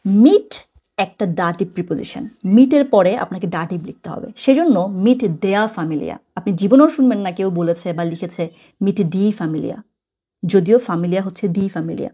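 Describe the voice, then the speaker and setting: A woman's voice: mid-range voice, moderate pace, mellow, husky. A woman teaching German from a textbook, chatty, explaining words step by step and correcting herself as she goes.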